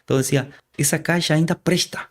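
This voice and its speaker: A man from Argentina with an Argentine Spanish accent, a native Spanish speaker who talks earnestly and haltingly, repeating words as he preaches in an interview. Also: a little high, fairly even intonation. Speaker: guest preacher.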